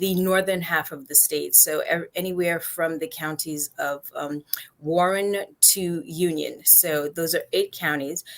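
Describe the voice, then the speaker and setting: A New York accent at a moderate pace, with fairly even intonation. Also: woman. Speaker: maternal health nurse. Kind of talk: interview.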